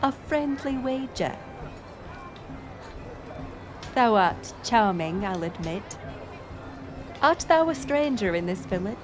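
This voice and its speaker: A woman playing a curious, playful village woman in an intimate audio roleplay, speaking in measured, teasing, old-fashioned phrases. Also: fairly high pitch, expressive. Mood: flirtatious, curious. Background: music.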